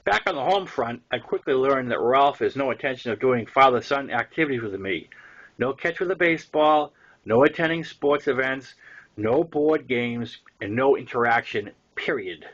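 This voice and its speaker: An older man with a Boston accent and a husky voice, reading his own first-person story as an audiobook narration. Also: mid-range voice, expressive, normal speed, fairly bright tone, highs cut off.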